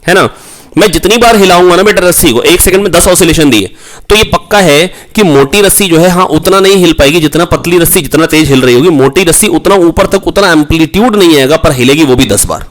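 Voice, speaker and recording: A man teaching a physics revision class online, coaxing his students, repeating key points and firing quick questions at them. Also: a little high. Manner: asks rhetorical questions, prompts answers. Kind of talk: online exam-prep lecture.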